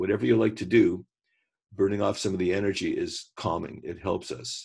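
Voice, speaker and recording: A man speaks at a moderate pace with a Montreal accent. The background is quiet. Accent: Canadian English, Montreal. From Montreal, Quebec, Canada; Quebec, Canada. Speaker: psychiatrist; webinar presenter. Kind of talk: webinar presentation. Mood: calm, reassuring. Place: home room. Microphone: webcam.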